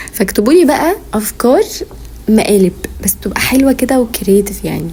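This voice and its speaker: With an Egyptian accent, a woman talks at a moderate pace over noticeable background noise. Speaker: lifestyle vlogger. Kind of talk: casual cooking vlog.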